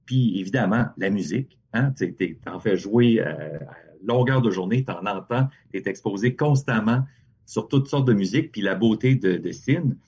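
A man's voice: lowish voice, normal speed, husky, highs cut off. A man, a radio guest telling stories casually in a podcast chat. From Hearst, Ontario. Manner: relaxed storytelling, frequent restarts. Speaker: guest, radio music director.

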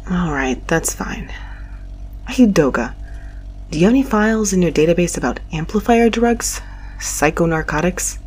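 Husky, wry space courier. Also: female voice, lowish voice, animated, normal speed, a little mellow, faint music behind. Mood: worried, puzzled. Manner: sardonic, muttering to self, conversational. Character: wry, restless, foul-mouthed space mail courier. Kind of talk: audio drama acting with first-person narration.

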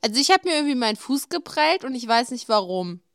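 A woman co-hosting a casual podcast, telling stories in an animated way and often laughing, on a close mic. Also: a little high, fast, no echo. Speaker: podcast co-host. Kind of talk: casual chat.

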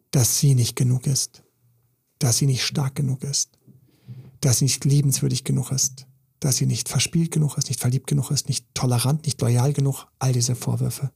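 A man's voice: mid-range voice, creaky, warm tone, slightly rough. A man, a relationship coach giving an emphatic, intense podcast monologue full of repetition.

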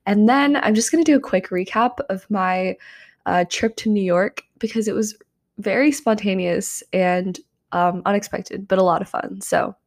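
A young woman hosts her podcast solo, chatting casually and filling pauses with ums. Her mid-pitched voice carries a steady vocal fry and sounds slightly strained. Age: young adult. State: slightly strained voice after karaoke. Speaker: podcast host.

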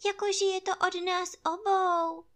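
A woman voicing a tiny, timid young piglet with a squeaky, earnest little voice in a storybook reading. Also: flat delivery, fairly bright tone.

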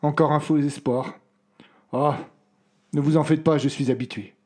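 An actor playing a weary, skeptical amnesiac man in an audio drama, polite and resigned in manner, with a slightly breathy voice. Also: a little high, fairly even intonation, moderate pace, darkish tone, natural voice.

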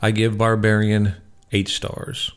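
A man's voice: fairly low pitch, completely flat delivery, slow, clear, resonant tone, faint music behind. A man hosting a radio show, giving film reviews.

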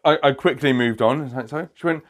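A man's voice: medium pitch, quick pace, a bit bright. A man hosting his own podcast as a magician, casually telling a funny story, laughing often and wandering off topic. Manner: chatty, laughs often, digresses.

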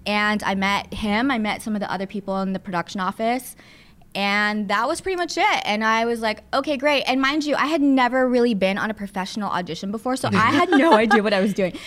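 A woman's voice: fairly high pitch, fairly quick, a bit bright. Chatty woman in her thirties. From born in the Philippines, raised in Southern California. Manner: chatty, with frequent fillers and asides. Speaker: guest, producer and studio owner. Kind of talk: casual interview chat.

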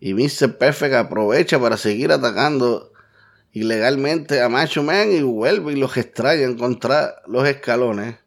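A man's voice: mid-range voice, unhurried, vocal fry. A man doing blow-by-blow wrestling commentary, repeating phrases for emphasis.

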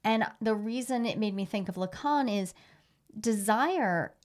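A woman in casual conversation, animated, explaining ideas and often restarting her sentences. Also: mid-range voice, a little slow.

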